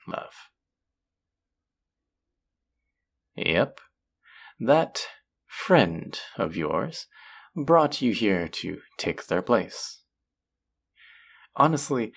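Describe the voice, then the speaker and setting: Man acting a teasing, possessive demon, slow and gravelly. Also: sits low, heavily acted. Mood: flirty, taunting. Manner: teasing, taunting, seductive, drawn-out phrasing. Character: flirty, possessive male demon working in an underworld casino. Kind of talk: scripted roleplay audio drama addressed to the listener.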